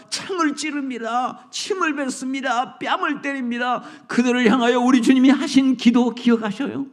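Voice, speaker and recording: Man, pastor, sermon, high voice, very animated, dramatic, whispers to loud. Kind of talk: sermon at early morning prayer service.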